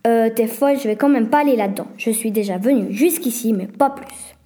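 Timid, jumpy schoolboy, voiced by a woman; anxious protests, mellow tone. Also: a little high, fairly quick, close to an everyday voice. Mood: fearful. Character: timid schoolboy, nervous and reluctant.

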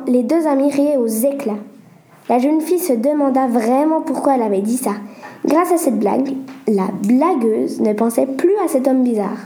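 A woman's voice: sits high, mellow, reverberant. A woman reading a children's story aloud in a plain, earnest way, with small stumbles. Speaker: reader.

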